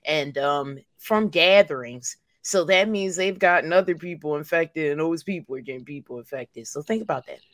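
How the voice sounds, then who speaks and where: A woman's voice: sits low, moderate pace, hardly any pauses, fairly bright tone, no room sound. A woman talking casually and informally as a co-host on a panel show.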